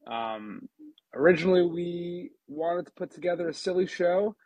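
A man's voice: sits high, lively intonation, normal speed, a little mellow, husky, no echo, rough recording. A man hosting a casual sports podcast as an NBA reporter, chatty, with many restarts, chewing a sandwich as he talks.

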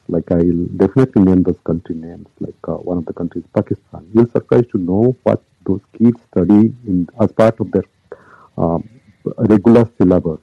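A man with a South Asian accent and a low, rough-edged voice explains things like a lecturer in an online audio room. He speaks haltingly, rephrasing as he goes, and the sound is close and rather dull. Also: dry recording. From Indian subcontinent. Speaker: university humanities academic, guest speaker. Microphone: remote app call.

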